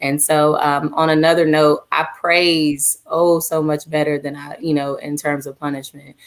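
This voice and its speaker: A soft-spoken woman with a very deep, low pitch and monotone, flat intonation. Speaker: assistant principal and author. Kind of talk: casual interview chat.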